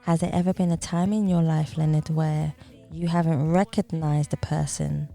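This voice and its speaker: Lady podcast host, super upbeat, lowish mellow voice, some music under it. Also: little pitch movement, normal speed, vocal fry. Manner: upbeat, effusive, thanks often. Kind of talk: podcast interview hosting.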